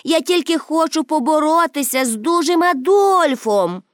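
A woman's voice: high-pitched, lively intonation, measured pace, no echo, studio quality, voice pushed up. A woman playing a cocky, carefree little girl. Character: bold, cheerful, mighty little girl.

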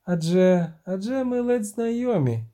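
A man reading an audiobook, voicing a young woman poet who speaks softly in a slightly sung way. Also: high-pitched, expressive, unhurried, voice pushed up. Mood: gentle. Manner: soft, slightly sung delivery.

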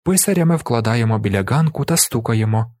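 A man narrating a story in an audiobook reading, lively and storytelling, raising his voice for the characters' shouts. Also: mid-range voice, a little fast, no echo, clean studio sound.

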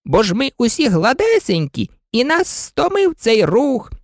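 A woman voicing small, frightened oysters in a storybook reading, with high, pleading cries. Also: big pitch swings, a little slow, dry recording, clean studio sound, full character voice.

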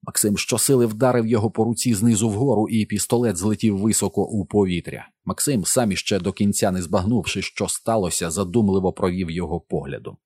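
Deep-voiced man narrating an audiobook. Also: a little fast, few pauses, a little mellow, breathy edge, dry recording.

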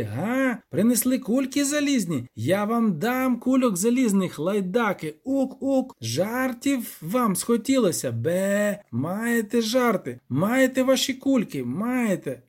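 A goat-like male devil from an audiobook, furious and mocking, voiced by a man. He bleats between words and shrieks in a high, wildly swinging voice with a strange, off-kilter timbre. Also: sing-song, slow, few pauses, full character voice. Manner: shrieking, bursts into goat noises.

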